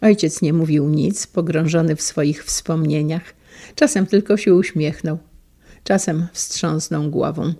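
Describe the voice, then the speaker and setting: A woman narrating a classic story as an audiobook in a calm, measured reading. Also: sits low.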